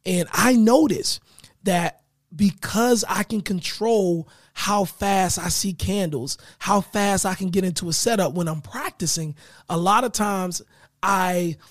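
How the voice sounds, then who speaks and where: A man hosting his own podcast in a casual motivational style, with a raspy voice that is giving out, often checking in with his listeners. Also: high-pitched, unhurried, dry recording, studio quality. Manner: energetic, hyped greetings, repeats "right?". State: losing his voice. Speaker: podcast host.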